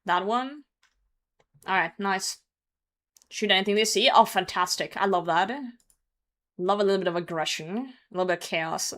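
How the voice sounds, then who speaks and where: A woman's voice: medium pitch, moderate pace, long pauses, a bit bright. A young woman with a mid-range voice is streaming a game while hungover. She talks casually, swears freely, and switches between answering chat and commenting on what happens in play.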